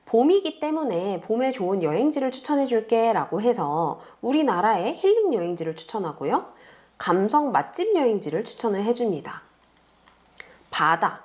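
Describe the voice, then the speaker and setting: A woman's voice: medium pitch, darkish tone. A woman tutor patiently explaining each step of a tutorial to viewers. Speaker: online tutor.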